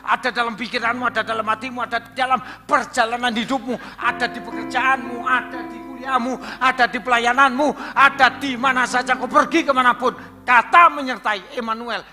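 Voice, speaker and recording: High bright-voiced pastor preaching. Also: male voice. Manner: conversational preaching, asks the congregation questions; mixes in Javanese words. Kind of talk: sermon. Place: church hall. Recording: reverberant church hall with music.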